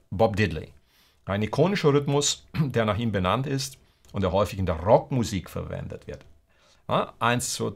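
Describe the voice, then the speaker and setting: A man's voice: fairly low pitch, gravelly. A man teaching a guitar lesson, explaining strumming rhythms and counting the beats aloud. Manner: counts beats aloud and sings snippets of rock songs while explaining. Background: guitar playing.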